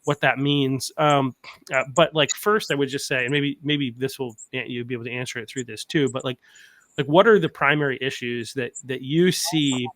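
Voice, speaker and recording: A man's voice: medium pitch, fairly even intonation, normal speed, a bit bright, dry recording. A man hosting a casual podcast interview, talking in a rambling way with many fillers and restarts. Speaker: podcast host.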